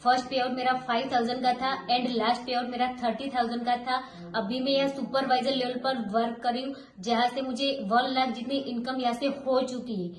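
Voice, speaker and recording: A 22-year-old woman from Gujarat giving a steady, measured testimonial about her business. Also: fairly high pitch. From Gujarat, India. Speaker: network marketing member. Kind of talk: testimonial self-introduction. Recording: echoey room.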